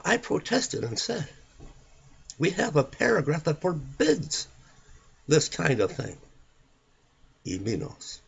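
A man reading religious text aloud like a preacher, solemn and emphatic, with pointed pauses and a husky, gravelly voice. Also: medium pitch, muffled recording.

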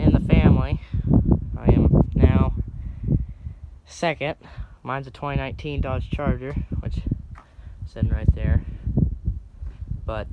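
A young man in casual vlog talk, filming himself on a phone at arm's length in a pickup cab, relaxed and rambling with lots of ums and restarts. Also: mid-range voice, lo-fi sound, heavy background noise. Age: young adult. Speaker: farm vlogger. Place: inside a pickup truck cab and outdoors around it. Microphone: phone held at arm's length.

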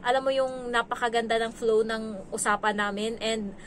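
A woman from the Philippines chats through stories from her work as a domestic helper, acting out what others said along the way. Her voice sits a little high, with a faint hum of noise behind it. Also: fairly even intonation, normal speed. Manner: chatty, acts out quoted dialogue. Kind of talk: casual storytelling vlog.

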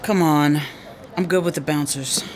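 A woman's voice: sits low, steady tone, a little slow, a little hiss or hum. A woman playing a headstrong, aggrieved female musician in a radio drama, speaking in a blunt, slangy, dismissive way. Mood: impatient. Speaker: actor in a serialized radio drama. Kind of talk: naturalistic radio drama acting.

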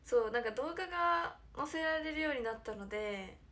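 A woman's voice: high voice, normal speed. Giggly young woman chatting on a stream. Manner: giggly, animated, often dropping to a near-whisper. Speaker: idol livestream host. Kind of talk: casual livestream chat.

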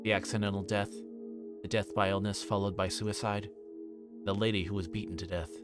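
A man's voice: lowish voice, flat delivery, brisk, close to an everyday voice. A man voicing a guarded, hesitant schoolboy being questioned in a visual novel. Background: music behind the voice.

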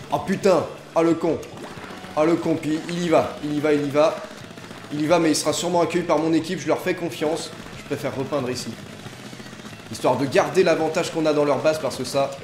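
A young man giving jokey, excitable commentary over an online game he is playing, dropping into low mutters and bursting into loud exclamations. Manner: excitable, jokey, swings between mutters and outbursts. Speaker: gaming YouTuber. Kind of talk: let's play commentary. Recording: echoey room with game music behind.

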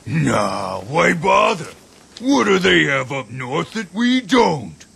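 A brawny tribal king who is content with his lot, talking in a relaxed, boastful way. His voice is raspy and bright, with a lively, rising and falling delivery. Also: fairly high pitch, takes it slowly, full character voice. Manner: easygoing, boastful, relaxed drawl. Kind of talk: video game cutscene.

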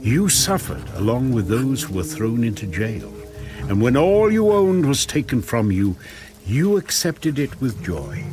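Expressive, unhurried male scripture narrator. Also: fairly low pitch. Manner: earnest, emphatic, dramatic phrasing.

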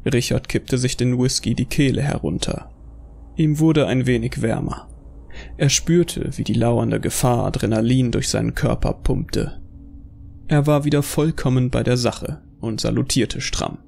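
A man's voice: medium pitch, unhurried, vocal fry, darkish tone. A man reading scripted narration for a horror audio drama as its narrator. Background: faint music.

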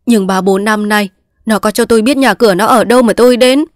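A woman's voice: medium pitch, fairly quick, no room sound, clean studio sound, close to an everyday voice. A woman reading as an angry old village mother. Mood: aggrieved. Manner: scolding, blunt.

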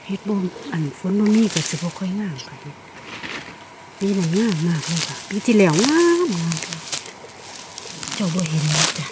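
Isan woman vlogger, lowish voice, excited forest narration, noisy outdoor sound. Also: moderate pace, pauses often. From Northeast Thailand. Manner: excited exclamations, addressing viewers as siblings. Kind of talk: casual foraging vlog.

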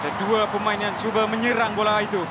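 A man calling a football match, excitable and dramatic, building to shouts at big chances. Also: high voice, quick pace. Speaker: play-by-play commentator. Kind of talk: football commentary. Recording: broadcast with loud stadium crowd. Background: loud crowd noise.

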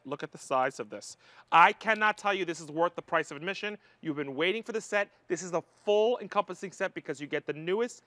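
Middle-aged guy pitching his product on live tv, high voice, super excitable and jokey, dry close sound. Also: dry recording. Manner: excitable, playful banter, enthusiastic pitching. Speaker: product guest presenter. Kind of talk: live home shopping sales talk. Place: large TV studio kitchen set.

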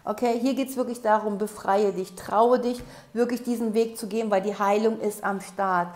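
A woman with a hoarse voice after a cold gives a tarot reading. She speaks straight to the viewer in a coaxing way and repeats herself often. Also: mid-range voice, fairly even intonation, moderate pace, a little mellow. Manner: repetitive, coaxing, addresses viewer directly. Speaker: tarot reader. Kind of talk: interactive tarot reading to camera. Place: room at a table with candles.

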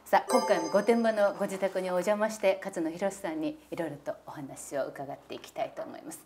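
A woman hosting an interview at a guest's home, reacting brightly and asking quick follow-up questions. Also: lowish voice, very noisy. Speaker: host.

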